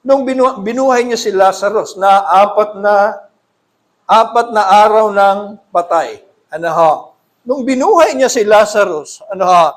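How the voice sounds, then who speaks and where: A man preaches to his congregation in a high, lively voice, asking them questions and answering them himself, often climbing to loud emphatic peaks. The sound rings with the echo of a church hall. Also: measured pace. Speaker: pastor. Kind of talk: sermon.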